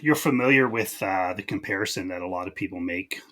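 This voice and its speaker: A man's voice: low-pitched, brisk, sharp tone. A man hosting a podcast interview in a casual, informal way, often dropping in short affirmations.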